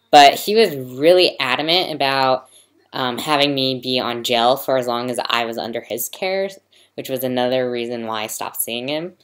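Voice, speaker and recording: Slow, hesitant young trans man. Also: mid-range voice, fairly bright tone. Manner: hesitant, many ums and pauses. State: sick and yawning. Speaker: vlogger. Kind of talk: casual video diary. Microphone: computer mic.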